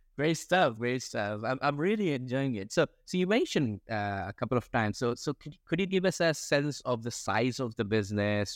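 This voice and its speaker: Lively intonation runs through a normal speaking voice at a moderate pace, with a dry, close sound and no echo. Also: man. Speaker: podcast host. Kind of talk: interview podcast.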